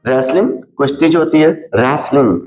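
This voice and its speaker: Man, language teacher, repeats each word several times, slow english example sentences, roomy echo. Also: mid-range voice, darkish tone, soft background music. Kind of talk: spoken language lesson.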